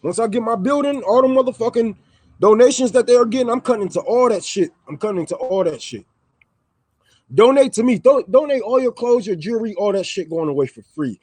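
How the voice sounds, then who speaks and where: Guy with a high voice going off on a livestream, cussing, preachy, dry close mic. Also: expressive, a little fast, a little mellow, no echo. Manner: heated, profane, preachy, repeats lines for emphasis. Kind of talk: livestream rant. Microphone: microphone.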